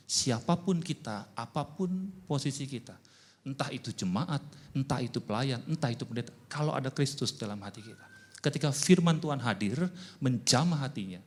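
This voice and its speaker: Man preaching a sermon. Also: mid-range voice. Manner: animated storytelling, voices both sides of conversations. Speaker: pastor. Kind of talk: sermon with acted-out dialogue.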